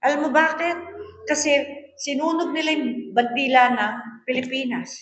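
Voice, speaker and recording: A woman pastor delivers a sermon, mixing languages and acting out the people in her stories. Her voice sits a little high. The sound is echoey and muffled, with a lo-fi quality. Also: normal speed, slight background noise. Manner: mixes Tagalog and English, tells stories and acts out quoted voices. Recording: echoey room, dull lo-fi sound.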